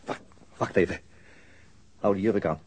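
An actor playing a reserved, self-mocking police detective with a halting way of talking, in a radio drama. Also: male voice, sits low, noisy background. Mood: firm, uneasy. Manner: hesitant, halting. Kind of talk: Dutch radio drama acting.

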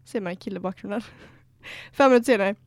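A woman's voice: mid-range voice, dry recording, studio quality. A young woman, co-hosting a casual podcast chat, giggly and swearing as she tells stories. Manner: giggly, swearing, animated storytelling. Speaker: podcast co-host.

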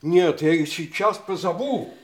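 A man's voice: sits high, unhurried. An actor playing the uneasy grown son of a bitter mother in a theatrical audio drama. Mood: insistent. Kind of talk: theatrical Russian radio drama acting.

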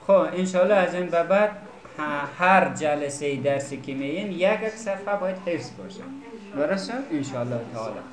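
A man's voice: a little high, lively intonation. A man teaching Quran recitation, patiently questioning and correcting his students. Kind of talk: classroom teaching. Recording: echoey room with crowd noise.

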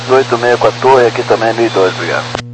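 Male airline pilot on a cockpit headset radio, mid-pitched, clipped and procedural, with a steady hiss under the transmission. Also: quick pace. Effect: pilot speaking over cockpit headset radio. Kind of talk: radio phraseology readback. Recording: noisy air-band radio transmission.

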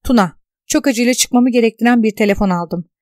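A woman reading the calm, reassuring note of a caring young woman in an audiobook. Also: a little high, brisk, no room sound, clean studio sound, lightly acted.

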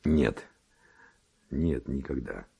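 A man's voice: rumbling low, animated, drawn-out words, gravelly, warm tone, slightly rough, heavily acted. An actor playing a passionate Spanish nobleman seducer, speaking verse in an ardent, declamatory radio drama manner. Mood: anguished reluctance.

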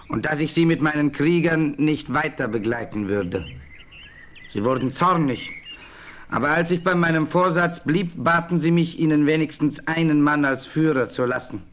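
An actor playing a proud, honourable Native American chief in a German radio play, formal and declamatory. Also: male voice, a little high, a bit bright, slight background noise, natural voice.

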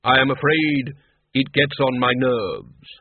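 A solemn, literal-minded farmhand, as a male narrator plays him, measured and formal. The voice is husky and sits in a middle pitch, heard through a thin, phone-like line with no room sound. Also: no room sound, full character voice. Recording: tinny phone-like, dry.

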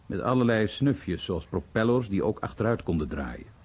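An actor playing a weary, troubled American veteran, husky and plain-spoken, in a radio documentary drama. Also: male voice, lowish voice, big pitch swings, normal speed, darkish tone, dull audio. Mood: reflective. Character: weary, troubled American veteran recalling his bomber crew days.

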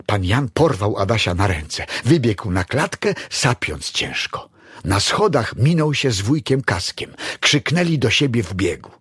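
Brief: male audiobook narrator, very husky voice, lively rises and falls. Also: fairly low pitch, unhurried, dry recording, clean studio sound. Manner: dramatic, expressive reading.

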